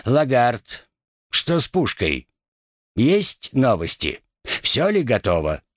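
A man voicing a haughty aristocratic female pirate captain with a slow, drawling delivery. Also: mid-range voice, huge pitch swings, dry recording, studio quality, pitched above the performer's own voice.

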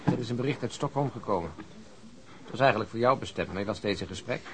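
A man acts a dutiful, grumbling police colleague in a naturalistic radio drama. His voice is on the low side, his phrases curt and reproachful, with faint noise behind him. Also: fast, natural voice. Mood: matter-of-fact.

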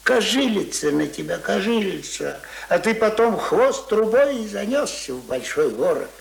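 A man's voice: sits high, sing-song, normal speed, vocal fry, full character voice. An actor playing a querulous, hungover old village grandfather who grumbles in folksy speech in a radio play. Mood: scolding. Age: older. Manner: folksy, querulous, muttering and exclaiming.

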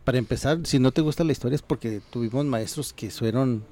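A man's voice: mid-range voice, fast talker, dark tone. A man co-hosting a casual talk show, making quips and chiming in often. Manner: joking, affirming interjections. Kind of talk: casual radio chat.

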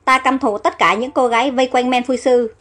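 A woman's voice: high-pitched, steady tone, a little fast, a bit bright, faint music behind. A woman voicing a cruel, jealous princess who speaks harshly and with contempt. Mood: scornful.

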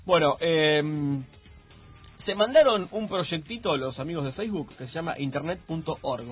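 Joking Argentine radio co-host, tinny. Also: male voice, fairly high pitch, lively intonation, moderate pace, husky, faint music behind. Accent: Argentine Spanish. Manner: loose, joking, stumbles and restarts. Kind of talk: casual radio chat. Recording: phone-like radio broadcast.

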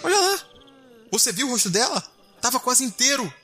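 A man's voice: very high-pitched, very animated, a little fast, a loud crowd. A man with a Brazilian accent playing a bewildered, squeamish young explorer in a horror audio drama, colloquial and incredulous. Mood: stunned. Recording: music behind the voice.

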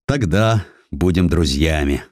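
Man acting a blunt, low-voiced old general. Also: lively intonation, takes it slowly, no room sound, clean studio sound. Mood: firm. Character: blunt, wry old Russian army general.

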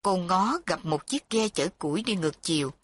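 A woman narrating a story with a steady, even reading. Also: on the low side, moderate pace, slightly rough.

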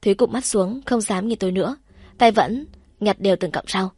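A woman reading a first-person novel aloud in a calm, steady storytelling manner. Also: medium pitch, brisk, husky, dry recording, studio quality. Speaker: audiobook narrator.

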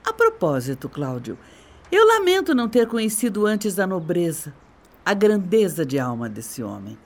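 An actress with a Brazilian accent playing a bitter, haughty middle-aged wife in a radio soap opera, mocking and theatrical. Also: female voice, mid-range voice, wildly swooping pitch, moderate pace. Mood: sarcastic. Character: bitter, scornful middle-aged wife leaving her husband.

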